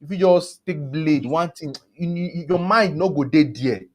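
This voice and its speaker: A man's voice: on the high side, moderate pace. A man with a West African accent speaks Pidgin English, explaining health matters conversationally as a doctor and co-host, repeating words for emphasis.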